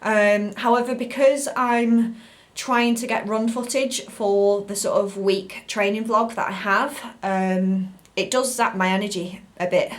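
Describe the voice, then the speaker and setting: A British woman chats to camera in the casual style of a fitness vlogger. Her voice sits at a medium pitch, and she explains things in a loose, rambling way. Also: fairly even intonation, measured pace.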